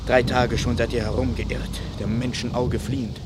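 A man's voice: mid-range voice, flat delivery, normal speed, background noise, natural voice. An actor playing an earnest, protective countryman who pleads solemnly in classic German radio drama style. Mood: concerned, urging. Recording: faint background ambience.

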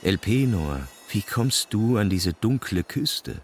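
Grave ancient Greek king, very low, measured epic verse, radio drama, noisy backdrop. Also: lively intonation. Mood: grim. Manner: solemn, measured, incantatory. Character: solemn ancient Greek seafaring king, recounting his voyage. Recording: clear background noise.

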